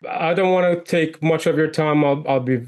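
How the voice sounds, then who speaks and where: A man's voice: fairly high pitch, normal speed, a little mellow. A man from Iraq, a guest on a podcast, telling his story in a chatty way with many restarts. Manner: chatty, with frequent restarts and fillers. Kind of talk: interview conversation.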